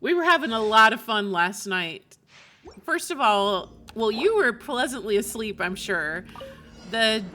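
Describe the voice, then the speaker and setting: A woman's voice: a little high, animated, unhurried, sharp tone, faint music behind. A woman livestreamer chatting casually with her viewers while she plays a game.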